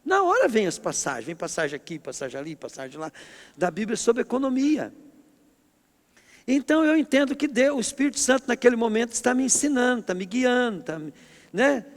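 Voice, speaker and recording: Male pastor from Brazil, middle-aged, emphatic sermon, high voice, long church reverb. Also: sing-song, fairly quick. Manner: emphatic, forceful way of speaking. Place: church hall.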